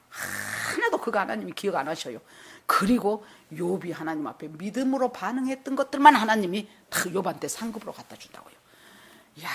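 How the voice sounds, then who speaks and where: An older woman pastor preaches a sermon in a fairly low voice with vocal fry, and the recording carries a slight hiss or hum. She tells stories and acts out the voices of the people in them.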